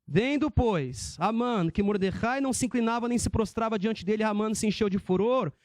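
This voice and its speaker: A male preacher with a fairly high, warm and mellow voice delivers an emphatic sermon. He speaks rhetorically and calls out to his brethren, and the recording is dry and close. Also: dry recording.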